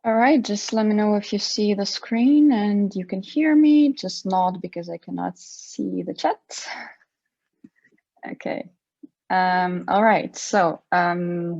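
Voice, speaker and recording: A woman's voice: lowish voice, a little mellow, no echo. Young woman presenting over a dull call. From Ukraine. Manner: friendly, clear, with some "um" fillers. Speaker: student ambassador presenter. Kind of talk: presenting slides on a video call. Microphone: video call.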